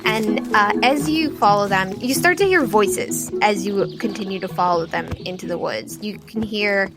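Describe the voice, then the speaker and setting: Over background music, a female game master ad-libs the narration for a tabletop RPG session. She describes the scene conversationally in a mid-range voice, stopping frequently as she builds it.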